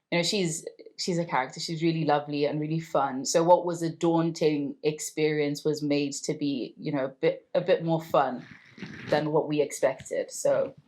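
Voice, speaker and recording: Woman in her thirties, from Zimbabwe, Ndebele first language, low voice, reflective storytelling. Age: 30s. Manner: reflective, conversational, warm storytelling. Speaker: interviewee. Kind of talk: oral history interview.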